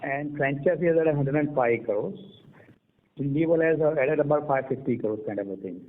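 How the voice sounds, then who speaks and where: Halting Indian man on a phone line. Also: fairly high pitch. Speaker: company executive answering analysts. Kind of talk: earnings call answers. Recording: tinny narrow-band conference phone line.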